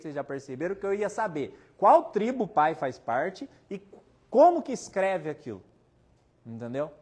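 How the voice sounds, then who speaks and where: Chatty Brazilian man telling spiritist anecdotes. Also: high-pitched. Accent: Brazilian Portuguese. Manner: chatty, anecdotal, quotes people in his stories, jokes. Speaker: spiritist medium speaker. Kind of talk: casual storytelling talk with audience questions.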